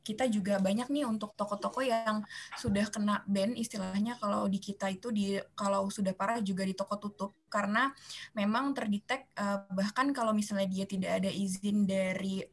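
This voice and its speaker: A woman's voice: medium pitch, fairly even intonation, moderate pace. Woman explaining seller rules, full of fillers. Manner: hesitant, many "em" and "eh" fillers. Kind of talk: webinar presentation.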